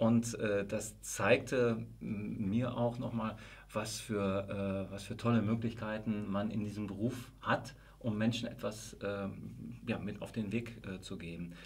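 A man's fairly low voice with vocal fry, at a very slow pace and in a flat monotone. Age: 50s. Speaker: teacher and musician; teacher. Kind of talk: interview conversation. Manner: halting with many fillers. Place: studio.

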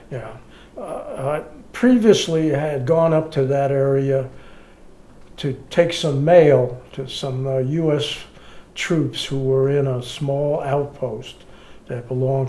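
Very slow speech from a man, with long, frequent pauses. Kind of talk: interview answer. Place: home room.

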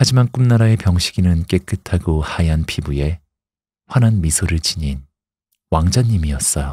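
In a dry, close sound with no echo, a man speaks with a very deep, low pitch and lively intonation. His somewhat breathy voice has a soothing, gentle tone that is dark and mellow. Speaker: audiobook narrator. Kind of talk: bedtime story reading aloud (audiobook narration). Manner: soft, slow, soothing and gentle, lulling the listener to sleep.

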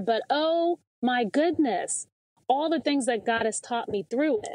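With an American accent, a woman speaks in a high pitch and lively intonation. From US South. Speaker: pastor's wife and college administrator. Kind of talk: interview.

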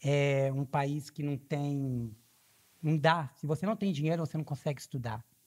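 Over a quiet background, a man with a somewhat breathy, fairly high voice speaks at a fairly slow pace with ordinary pitch variation. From Brazil. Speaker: keynote speaker and customer service expert; keynote speaker. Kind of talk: interview chat. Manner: halting. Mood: relaxed, warm. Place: studio. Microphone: studio mic.

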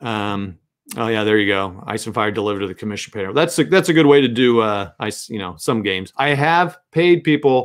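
Fairly quick, lively-intoned speech in an American accent. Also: man, medium pitch for a man. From US Midwest (St. Louis area). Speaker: YouTube host of a miniature wargaming channel. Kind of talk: casual live-stream interview chat. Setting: video call live stream.

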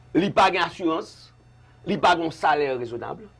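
A man's voice with ordinary pitch variation. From Haiti. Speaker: director general of a national TV broadcaster; guest. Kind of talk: TV interview. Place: studio. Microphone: lapel.

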